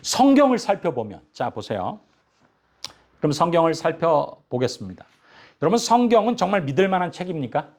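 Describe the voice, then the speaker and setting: A man in his fifties, a pastor giving a lively lecture in church, asking the audience questions and joking with them. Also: a little high, brisk. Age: 50s. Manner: animated, asks the audience questions and jokes with them. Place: church hall.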